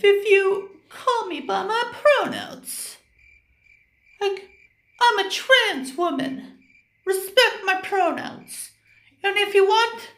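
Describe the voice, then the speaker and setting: Casting: indignant, self-righteous trans woman for cartoon parody, acted, extremely high voice, slow delivery, roomy sound. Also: fairly bright tone, full character voice.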